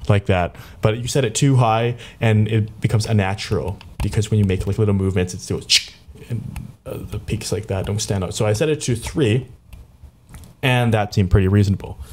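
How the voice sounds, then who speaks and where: Slightly low-voiced man, casual and playful tutorial host, chatting into a handheld recorder at his home desk. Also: a little mellow. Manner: chatty, playful, talks while fiddling with gear. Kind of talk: casual tech demo. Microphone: handheld portable recorder.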